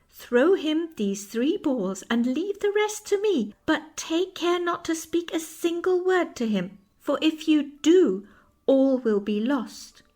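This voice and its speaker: Here is a put-on character voice with a high pitch. It moves at a fairly slow pace. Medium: read story. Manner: knowing, mysterious.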